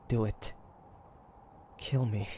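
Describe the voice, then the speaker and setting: A man playing a cocky, stubborn demon hunter of the 1850s in a dramatic audio roleplay, theatrical and halting. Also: lowish voice, fairly even intonation, dark tone, a little hiss or hum. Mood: baffled, resigned. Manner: theatrical, taunting, halting with sighs and pauses.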